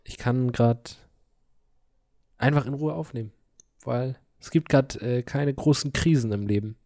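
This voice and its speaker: A man's voice: mid-range voice, a little slow, warm tone, no room sound. A man co-hosts a chatty podcast. He teases his partner and tells small stories in a loose, joking way. The recording is dry, with no room sound. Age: 20s. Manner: chatty, teasing, laughs easily. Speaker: podcast co-host. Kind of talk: casual podcast chat.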